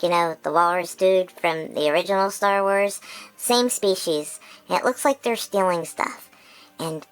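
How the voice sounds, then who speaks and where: A woman voicing an excitable, childlike male creature who hosts a chatty episode recap, bubbly and full of giggles and squeals. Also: fairly low pitch, low-quality recording. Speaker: recap host.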